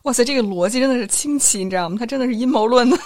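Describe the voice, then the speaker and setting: A woman's voice: a little high, rapid-fire, a little mellow, dry recording, clean studio sound. A woman co-hosting a casual chat. She asks follow-up questions, agrees often and laughs easily. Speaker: podcast co-host.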